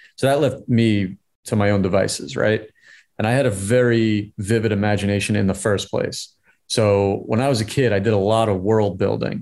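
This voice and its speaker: An ordinary speaking voice with an American accent, at a moderate pace with ordinary pitch variation and very even loudness, over a quiet background. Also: man, fairly low pitch for a man. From New York, Staten Island. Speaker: actor and improviser. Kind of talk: casual interview chat.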